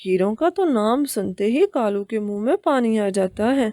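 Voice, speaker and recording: A woman telling a children's cartoon story in a plain storytelling manner. Her voice is high but mellow and recorded dry and close. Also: animated, dry recording. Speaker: narrator. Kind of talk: scripted cartoon narration.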